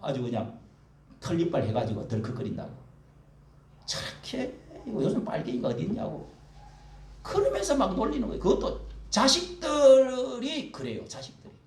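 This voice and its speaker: A man's voice: sits high, big pitch swings, moderate pace, a bit bright, a little hiss or hum. A male pastor preaching a sermon in a church, rhetorical and often prodding the congregation. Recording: echoey room, mic at a distance.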